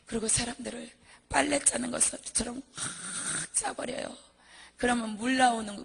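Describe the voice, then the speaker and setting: A woman's voice: fairly high pitch, vocal fry, fairly bright tone, slightly rough, big-room sound. A woman giving a religious testimony, telling her vision in a vivid, emotional way. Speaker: church testimony speaker.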